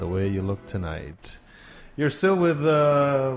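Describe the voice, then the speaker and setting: He has a plain, everyday voice and lively intonation. This man speaks at a fairly slow pace over light background noise. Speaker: podcast host and TV news anchor. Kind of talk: interview. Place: studio.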